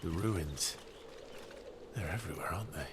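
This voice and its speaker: An actor playing a guarded, brooding young fighter in a video game, terse and restrained. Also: male voice, low voice, moderate pace, background noise, close to an everyday voice. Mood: somber. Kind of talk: cinematic video game acting.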